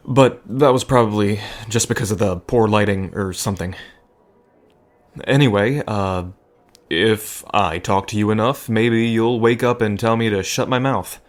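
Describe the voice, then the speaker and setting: A man playing a gentle, nervous bartender who rambles earnestly and hesitantly, in an intimate audio drama. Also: on the low side, a little slow, close to an everyday voice. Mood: tender, worried. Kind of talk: intimate audio drama acting addressed to listener.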